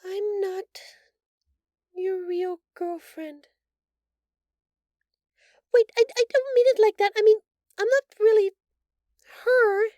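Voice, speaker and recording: A woman voicing a shapeshifted alien posing as a sweet, anxious human girlfriend in an intimate audio roleplay, speaking softly and haltingly. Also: very high voice, no echo. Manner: soft, halting, pleading, stammering. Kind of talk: audio roleplay acting, intimate address to listener.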